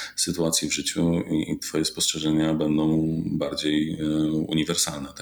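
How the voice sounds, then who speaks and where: A man is speaking. His pitch is very deep and low. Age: 30s. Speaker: product director in ad tech. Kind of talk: interview. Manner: halting, with repeated words.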